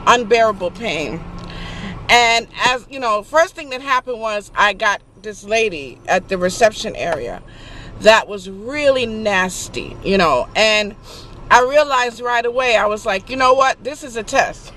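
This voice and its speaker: A woman's voice: on the high side, lively intonation, unhurried, sharp tone, slight background noise, low-quality recording. A woman giving an emphatic, preachy motivational vlog talk, calling her viewers honey. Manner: laughs and gets emotional. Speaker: vlogger.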